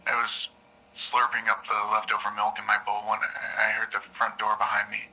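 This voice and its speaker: A man's voice: lowish voice, completely flat delivery, a little fast, pushed and bright, dull audio. A stammering nervous young man. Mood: anxious. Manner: stammering, repeats words, hesitant. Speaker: patient in a therapy session. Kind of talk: audio drama acting.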